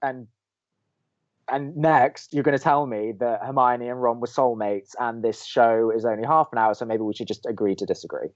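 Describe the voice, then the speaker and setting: A man's voice: medium pitch, steady tone, normal speed, lo-fi sound, lightly acted. A man playing a cynical, exasperated young campus radio co-host in an audio drama, bantering with a sardonic, argumentative edge.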